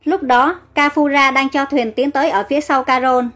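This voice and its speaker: Woman storyteller, high voice, expressive audiobook narration, faint background music. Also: normal speed.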